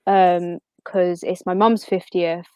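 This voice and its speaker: A woman's voice: lowish voice, little pitch movement, slow pace, darkish tone, smooth, dry recording. A woman of about twenty chatting casually as an interview guest in a giggly, chatty manner. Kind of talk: casual chat.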